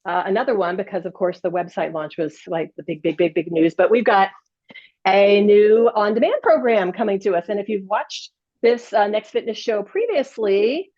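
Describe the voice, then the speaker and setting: A woman's voice: medium pitch, normal speed, darkish tone. Woman, fitness host, bubbly, laughs a lot, slightly winded, muffled lo-fi audio. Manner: bubbly, laughs often, chatty. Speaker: host and personal trainer. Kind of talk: casual show chat with exercise demo.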